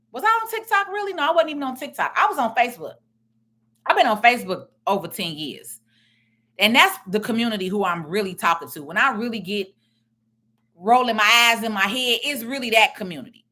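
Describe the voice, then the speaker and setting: A middle-aged woman with a loud voice and a confident, blunt way of talking, giving social media commentary as a tax and business strategist. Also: medium pitch. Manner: confident, emphatic, plain-spoken.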